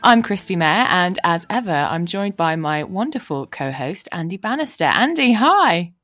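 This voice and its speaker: A woman co-hosting a podcast, upbeat and quick to laugh as she introduces guests. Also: lowish voice, big pitch swings, fairly bright tone, no echo, studio quality. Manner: bubbly, laughs easily. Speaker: podcast co-host.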